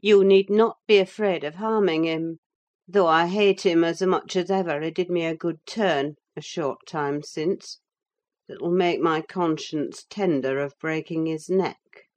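Woman reading a curt, scornful young master, low. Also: measured pace, darkish tone, lightly acted.

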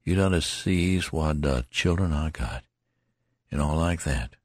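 A man's voice: a bass voice, measured pace, no room sound, studio quality. A man voicing a wounded rustic soldier who muses and rambles in a homespun drawl. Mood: wry. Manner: homespun drawling dialect, musing.

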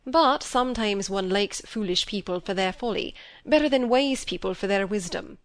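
A woman reads as a kindly middle-aged country doctor in a spoken storybook, gentle and a little wry. The sound is dry and close, with no room around it. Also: mid-range voice, normal speed, no room sound, lightly acted.

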